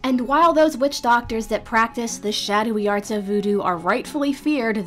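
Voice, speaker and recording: A woman narrates a scripted explainer as a guide host. Her pitch sits in the middle range for a woman, and her delivery is measured and articulate. Music plays faintly behind her. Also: fairly bright tone. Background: background music.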